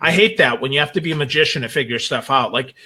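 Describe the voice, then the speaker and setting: A man's voice: mid-range voice, fast, bright, forceful tone, breathy edge. A man chatting casually as a talk show guest, emphatic and joking in an informal way.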